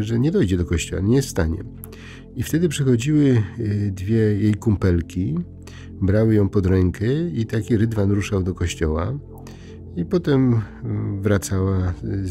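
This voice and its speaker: Gravelly, mellow-voiced priest musing at bedtime. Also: male voice, fairly low pitch. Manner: unhurried, conversational, many hesitations and restarts. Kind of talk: informal bedtime reflection.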